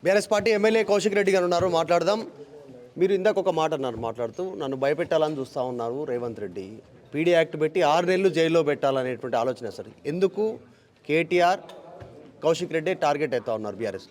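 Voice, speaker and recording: A male reporter rattles off his questions quickly. His voice sits a little higher than most men's, and he keeps pressing his guest with pointed questions. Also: darkish tone, faint music behind. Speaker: news reporter. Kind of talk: news interview questions.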